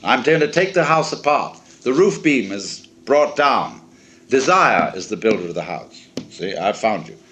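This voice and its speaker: A solemn, slow sage, as a lecturer quotes him. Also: male voice, lowish voice, sing-song, fairly bright tone, pitched below the performer's own voice. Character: solemn enlightened sage, male, calm and resolute.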